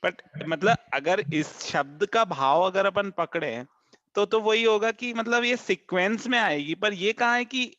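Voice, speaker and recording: A man's voice: high voice, a little slow, pushed and bright, no echo, lo-fi sound. A man questioning his teacher in class, probing and mixing English words into his questions. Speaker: student asking questions.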